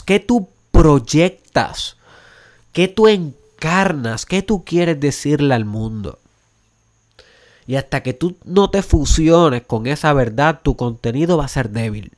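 A man's voice: fairly high pitch, animated, slow. A man from Puerto Rico with a Puerto Rican accent, hosting a motivational podcast monologue in an emphatic style, building to urgent questions and dropping English words into his Spanish. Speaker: podcast host.

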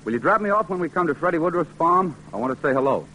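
A man's voice: fairly high pitch, lively intonation, fast, sharp tone, a little hiss or hum, rough recording. A young man with a Southern accent narrating and playing a Navy veteran coming home in a 1940s radio drama, earnest and plain-spoken.

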